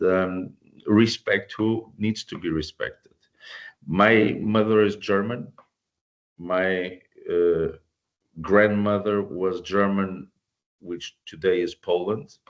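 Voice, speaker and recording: A man with a Portuguese accent speaks English in a very deep voice, earnest and searching for words as he restarts and repeats himself. His voice comes through a dull, lo-fi video call, and he is clearly a guest on an online panel. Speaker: guest volunteer.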